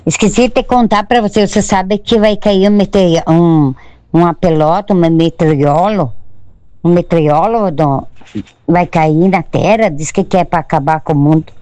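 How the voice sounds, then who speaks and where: A woman's voice: lowish voice, normal speed, dark tone, no room sound. An older woman leaving a casual voice message, rambling and hesitant as she searches for words. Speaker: caller sending a voice message.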